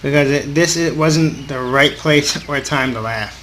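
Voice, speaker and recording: A man with a slightly high voice plays host on a gaming video, reading visual novel text aloud. His delivery is informal and a bit halting, breaking off for casual remarks of his own. There is noise behind the voice. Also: a bit bright, low-quality recording. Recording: clearly audible background noise.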